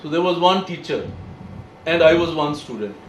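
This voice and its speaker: A man, giving firm, opinionated views in a group discussion, speaking with pauses and emphasis. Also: a little high, expressive, a little hiss or hum. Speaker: panel discussant. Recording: echoey room, distant mic, faint background.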